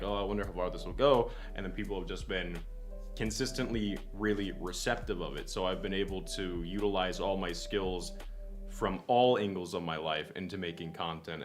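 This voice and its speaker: Rambling low-voiced young man on stream. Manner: rambling, self-deprecating, swears casually. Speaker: guest content creator. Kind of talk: casual livestream chat. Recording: lofi music playing faintly behind.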